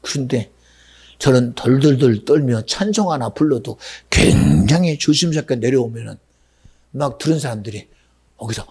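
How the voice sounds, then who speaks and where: A pastor delivering a sermon in a lively, conversational way, often asking his congregation questions. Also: medium pitch, normal speed, breathy edge. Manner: animated, conversational preaching with rhetorical questions. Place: church sanctuary.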